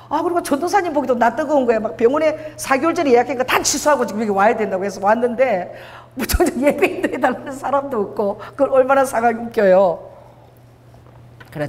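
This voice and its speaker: A woman pastor telling an animated story during a sermon, laughing at times. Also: medium pitch, big-room sound. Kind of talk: sermon testimony. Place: church hall.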